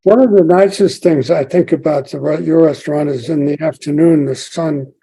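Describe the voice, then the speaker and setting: Gravelly, husky older male host. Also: fairly high pitch, dark tone, rough recording. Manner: halting, trailing questions. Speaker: podcast host, newspaper founder. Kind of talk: interview questions.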